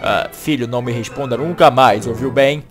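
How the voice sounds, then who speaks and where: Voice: medium pitch, normal speed, soft background music, pitched below the performer's own voice, natural voice. A performer voicing a lazy aging father who stammers and mumbles, in a game-animation comedy. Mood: sheepish. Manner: stammering, sluggish.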